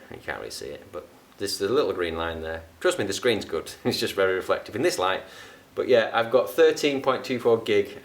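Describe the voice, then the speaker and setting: A man's voice: lowish voice, a bit bright. A man with a Northern English accent giving a casual, rambling tech review, often correcting himself mid-sentence. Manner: rambling, chatty, self-correcting.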